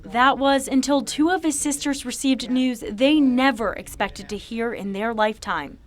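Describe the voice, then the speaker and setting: A woman's voice: on the high side, normal speed. An American woman reading scripted news narration as a television reporter.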